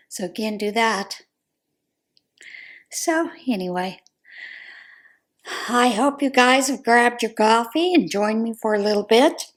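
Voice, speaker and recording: Hoarse American woman, casual crochet vlogger, rambling and conversational. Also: mid-range voice. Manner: chatty, rambling, with frequent ums. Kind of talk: casual chat.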